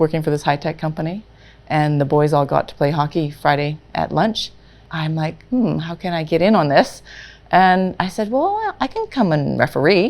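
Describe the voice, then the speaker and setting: A woman with a Canadian accent talks at a moderate pace. Hers is an unremarkable speaking voice, fairly low in pitch. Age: 50s. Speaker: women's hockey player. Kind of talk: interview.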